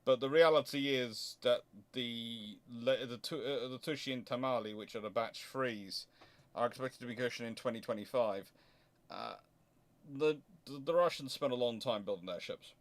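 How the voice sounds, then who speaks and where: A man hosting an unscripted explanatory question-and-answer talk, thinking aloud in halting stretches and sudden rushes as he works out his answers. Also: mid-range voice. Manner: hesitant, thinking aloud, halting then rushing. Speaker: host answering viewer questions on naval history.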